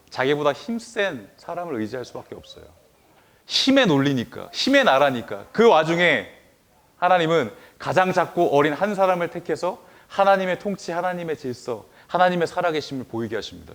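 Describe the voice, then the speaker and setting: A man, a pastor, giving an animated children's sermon, asking listeners questions and often trailing off softly at the ends of phrases. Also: fairly high pitch, a little fast. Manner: animated, many rhetorical questions, addresses listeners directly.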